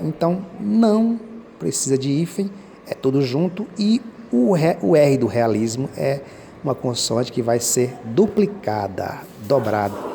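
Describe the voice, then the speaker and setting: Slight background noise sits behind this mellow, mid-range male voice. Speaking directly to viewers as a teacher reviewing exam questions, he explains Portuguese grammar rules stepwise and patiently goes back over the main points.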